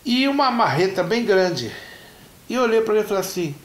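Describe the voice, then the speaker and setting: A man's voice: high-pitched, brisk. A middle-aged Brazilian man with a Brazilian Portuguese accent, a pastor telling a story in a sermon and acting out the dialogue. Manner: animated storyteller who acts out dialogue. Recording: roomy church echo.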